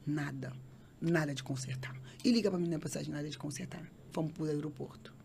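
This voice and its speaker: A woman tells an emotional faith testimony as a podcast guest. Her voice sits a little low, and she repeats phrases and puts on the voices of the people in her story. A faint background hiss runs under her. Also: quick pace, creaky, mellow.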